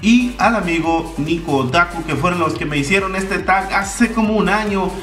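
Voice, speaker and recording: Talking to camera at a moderate pace, a man in his twenties with a Mexican accent keeps things casual, full of slang and curse words. His high, somewhat bright voice carries a roomy echo from the tiled floor of his home, captured from a distance over faint music.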